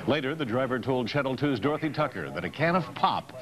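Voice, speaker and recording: A man's voice: mid-range voice, animated, fairly quick, crowd noise. A man with an American accent reading scripted television news narration on an old taped newscast. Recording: noisy archival 1990s TV newscast tape.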